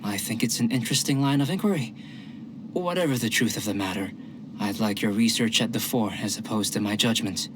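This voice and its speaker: An actor playing a calm, curious young male alchemist who speaks in precise, polite scientific phrasing. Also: on the low side, brisk, background noise, close to an everyday voice. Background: game music.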